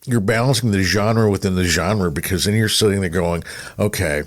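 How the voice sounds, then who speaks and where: A man's voice: deep voice, normal speed. A man chatting casually as a podcast co-host, rambling along in a self-deprecating way. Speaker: podcast co-host, former radio programmer. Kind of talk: casual radio-industry chat.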